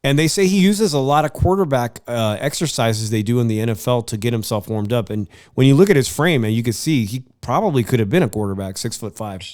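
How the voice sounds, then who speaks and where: A man's voice: mid-range voice, lively intonation, fast talker, hardly any pauses, a little mellow, dry recording, clean studio sound. A congested man hosting a sports podcast, chatting casually about baseball and boxing, rambling with many uhs and restarts.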